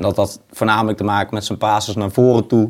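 This man's voice sits at a fairly low pitch. His intonation is monotone and flat. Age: 30s. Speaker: football journalist. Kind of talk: casual chat.

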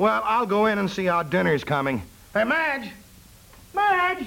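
A man performs a put-on character voice with a high pitch, a bright, sharp tone and vocal fry. He moves at a fairly slow pace with very wide pitch swings.

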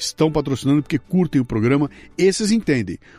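Over music in the background, a man with a medium-pitched voice talks fairly quickly with lively intonation, the sound dry and close with no echo. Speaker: podcaster and author. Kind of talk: reading aloud with commentary. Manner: casual.

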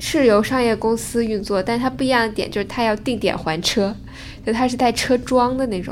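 A woman talks in a normal speaking voice at a fairly high pitch. She moves at a fairly quick pace with ordinary pitch variation. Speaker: graduate student. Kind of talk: casual chat.

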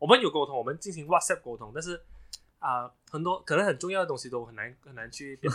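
A man talks at a very fast pace in a fairly high pitch, bright and sharp in tone. His intonation is lively, with big swings in loudness. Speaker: podcast co-host. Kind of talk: casual chat.

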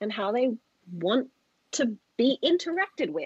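A woman with an Australian accent talks at a moderate pace, her high pitch making very wide swings. The sound is dry and close with no echo. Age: 30s. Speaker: hospitality and events business owner. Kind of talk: casual interview chat.

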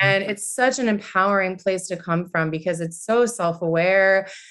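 A woman with an American accent uses a normal speaking voice at medium pitch. She keeps a moderate pace and fairly even intonation. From Buffalo, New York. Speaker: sex and intimacy coach. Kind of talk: casual interview chat.

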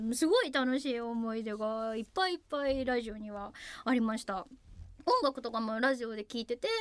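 A woman with a fairly high voice talks at moderate speed, her pitch varying in an ordinary way. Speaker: radio personality. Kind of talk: late-night radio monologue. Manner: animated.

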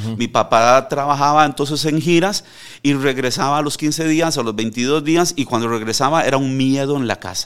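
Here is a man with a Costa Rican accent, speaking at a fairly high pitch and a moderate pace. His pitch varies in an ordinary way, and the recording is very clean with a silent background. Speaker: guest, father of the host, mentor. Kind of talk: casual conversation. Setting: home.

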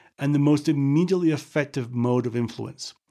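On a very clean recording with a silent background, a man with an American accent speaks in a fairly high pitch. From Scotland. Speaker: sales podcast host. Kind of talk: solo podcast tutorial. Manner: sometimes mumbles words.

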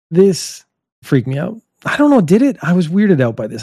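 A man with a Canadian accent talks at a fairly quick pace. His tone is dark and mellow, and somewhat breathy. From Canada. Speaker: podcast host. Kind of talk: solo monologue, casual commentary. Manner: casual, rambling, self-deprecating humor.

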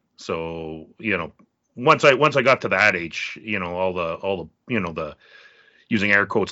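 At a moderate pace, a man with a Western Canadian accent speaks in a very deep, low voice with ordinary pitch variation. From Canada, Alberta. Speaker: podcaster and blogger. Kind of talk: casual chat. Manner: halting.

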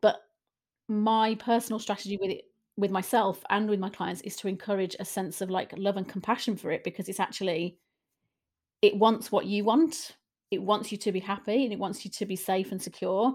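In a very clean recording with a silent background, a woman uses a normal speaking voice, talking fairly quickly at a medium pitch with ordinary pitch variation. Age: 40s. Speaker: creative coach and illustrator. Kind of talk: casual chat.

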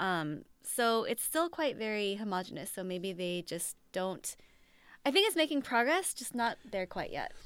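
In an American accent, a woman speaks at a fairly slow pace with a fairly high pitch and very wide pitch swings, on a very clean recording with a silent background. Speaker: pole dance instructor and doctoral researcher. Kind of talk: casual interview conversation.

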